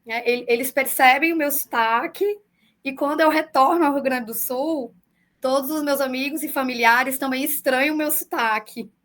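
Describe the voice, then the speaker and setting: A woman in her forties with a Brazilian accent that mixes southern and northeastern sounds, answering interview questions over a video call in a measured, explanatory way with frequent fillers. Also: high-pitched, a bit bright. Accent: mixed southern Brazilian and northeastern Brazilian Portuguese. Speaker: public defender.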